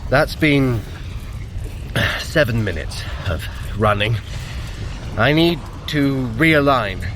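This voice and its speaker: A man's voice: mid-range voice, animated, slow, a little hiss or hum. An actor playing a wry, prickly male trickster god and sorcerer in an audio drama, with a dry, sardonic manner. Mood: weary, troubled. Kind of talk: scripted audio drama acting for a running workout.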